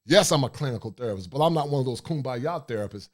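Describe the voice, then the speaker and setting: A middle-aged man with a deep voice, hosting a livestream talk show, speaking forcefully and reading shout-outs from the chat. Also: lively intonation, fast. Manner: forceful, preachy, reads chat aloud. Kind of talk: casual livestream monologue.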